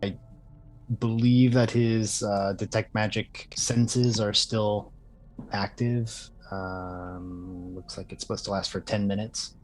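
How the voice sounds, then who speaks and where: A man's voice: lowish voice, level tone, slow. A man playing a tabletop game, casually describing what his character does.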